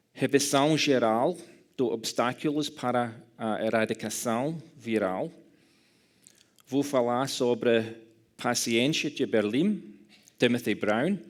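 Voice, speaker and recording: Slow, careful Scottish man lecturing. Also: mid-range voice. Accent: Scottish English speaker speaking Portuguese. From Scotland. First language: English. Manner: careful, halting delivery with self-corrections. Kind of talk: academic lecture in a second language.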